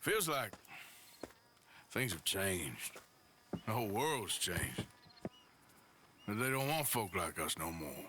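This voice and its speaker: An actor playing a gruff, world-weary outlaw gunman in a video game, talking in a slow, dry drawl. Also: fairly low pitch, very animated, bright, forceful tone, a little hiss or hum, exaggerated voice.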